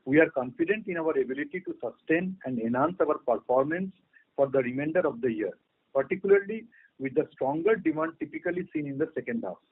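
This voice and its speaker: A man giving a formal, scripted corporate address as a company executive, reading in a measured way. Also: a little high, very animated, gravelly, slightly rough. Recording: narrow phone-line conference call audio.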